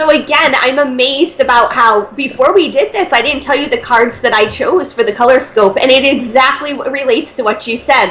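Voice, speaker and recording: Noticeable background noise surrounds this recording. A woman speaks at a high pitch. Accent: New England. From Connecticut. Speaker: angel messenger and medium. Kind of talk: channeled message reading.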